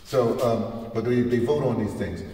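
A man's voice: fairly low pitch, moderate pace, mellow. A middle-aged man giving an informal workshop talk, explaining things in a colloquial, rambling way. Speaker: workshop leader, producer. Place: large bare classroom, indoors. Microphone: camera a few metres away. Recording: very echoey bare room, distant phone mic, faint noise.

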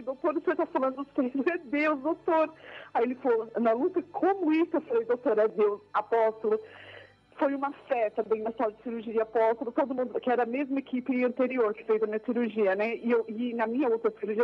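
A woman's voice: a little high, fast. A woman giving a fervent, emotional church testimony, telling her story over a phone line. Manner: tearful, fervent storytelling, rising to joyful exclamations. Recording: tinny phone line with faint music.

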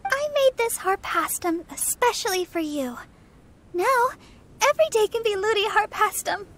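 A woman voicing a sweet, caring teenage girl in a video game, with a light girlish voice and gentle, coaxing manner. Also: extremely high pitch, lively intonation, normal speed, slight background noise. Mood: kind, encouraging.

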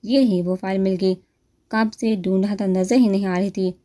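A woman's voice: mid-range voice, steady tone, dark tone, lightly acted. A woman voicing a polite, considerate young husband in a storybook reading. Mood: caring.

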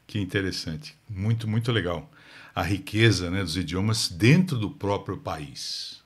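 A man with a São Paulo Portuguese accent hosting a language podcast in a lively, chatty way. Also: sits low, measured pace, slightly rough. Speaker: host. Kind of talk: casual chat.

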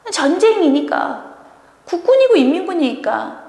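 A woman tutor lecturing students on a literary work in a chatty, animated way, laughing often between points, in what sounds like a classroom. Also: sits high, normal speed, gravelly. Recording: echoey room with long reverb.

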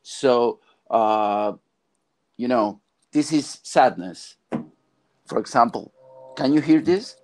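A middle-aged man from Argentina speaks slowly and deliberately, his voice soft and dark in tone. He pauses and restarts as he searches for words, talking through earphones on a video call from a home studio. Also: mid-range voice, slight background noise. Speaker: film composer guest. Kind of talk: casual video call interview. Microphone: earphone mic on video call.

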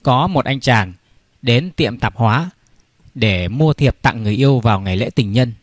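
A man's voice: medium pitch, expressive, normal speed, no room sound. A man reading short comic stories aloud, raising his voice for the characters in them. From Vietnam. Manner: puts on raised voices for characters in the jokes. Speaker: joke teller.

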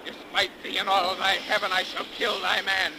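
An actor playing a defiant, blasphemous sea captain in 1930s radio melodrama, declaiming theatrically in archaic speech. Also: male voice, high voice, flat delivery, normal speed. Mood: defiant rage. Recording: noisy 1930s radio recording.

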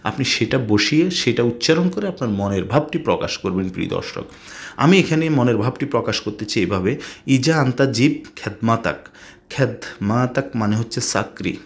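A man's voice: mid-range voice, lively intonation, vocal fry. Bangladeshi guy teaching arabic words, says them again and again, drops in english bits. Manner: repeats words slowly, mixes in English phrases. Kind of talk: spoken language lesson.

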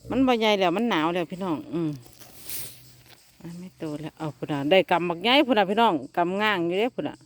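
A woman's voice: medium pitch, fast talker. A woman with an Isan accent, chatting casually to viewers while she gardens in her backyard and talks to her dogs. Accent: Isan (Northeastern Thai). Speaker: vlogger.

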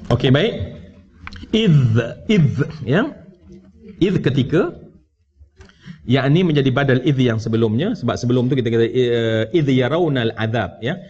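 A man's voice: mid-range voice, unhurried, long pauses. A man with a Malaysian Malay accent teaching a conversational Quran commentary class in a mosque, asking his listeners questions and dropping in English words. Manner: animated, conversational, asks the audience questions and mixes in English words. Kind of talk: mosque lecture. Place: large mosque hall. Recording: dull livestream audio from a mosque.

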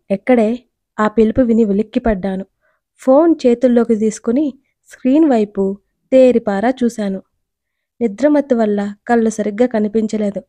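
A young woman narrates a first-person audio story with expressive, dramatic reading. Her voice sits a little high yet sounds dark and mellow. The recording is close and dry. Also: dry recording.

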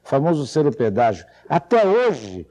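A man's voice: mid-range voice, huge pitch swings, moderate pace, mellow. A middle-aged man hosting a TV studio interview, asking questions in a conversational way on a lapel mic. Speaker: TV host.

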